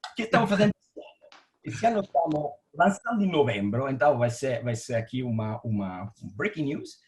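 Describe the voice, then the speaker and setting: A man's voice: mid-range voice, expressive, a little fast, a little mellow. A man with an Italian accent, a telecom engineering director answering interview questions over a video call, often repeating words and restarting as he explains. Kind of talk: interview answers on a live stream.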